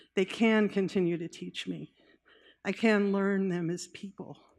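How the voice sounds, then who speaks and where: A woman's fairly low, fairly even voice at a fairly slow pace, on a very clean recording with a silent background. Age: 60s. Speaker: professor. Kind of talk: award acceptance speech.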